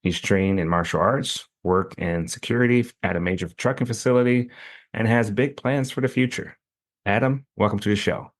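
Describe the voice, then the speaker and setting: Podcast host guy, really low voice, easygoing, trips over his questions a bit. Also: moderate pace. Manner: friendly, loose, stumbles over questions. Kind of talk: casual interview.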